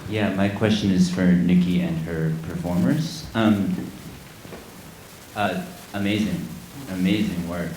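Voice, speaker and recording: Deep-voiced man asking a hesitant question. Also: steady tone, a little slow. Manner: hesitant, lots of fillers. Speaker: audience member asking a question. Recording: echoey theater with faint hiss.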